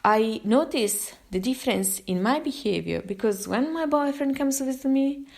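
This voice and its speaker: A woman's voice: sits high, animated, normal speed, vocal fry. Chatty Italian-accented woman. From Italy. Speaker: therapist and podcast host. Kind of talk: casual live monologue.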